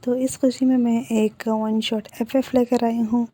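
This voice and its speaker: A woman's voice: a little high, flat delivery, measured pace, mellow. A woman telling a fan fiction story in a chatty, conversational way. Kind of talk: casual story narration.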